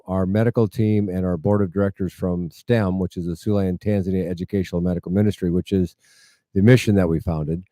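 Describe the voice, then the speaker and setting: A middle-aged American man with a Midwestern accent and a fairly low, smooth voice. He tells his story earnestly with wry humor, close and dry, as a guest in an interview. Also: mellow, no echo. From United States, rural Iowa. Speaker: interview guest, medical mission founder. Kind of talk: conversational storytelling.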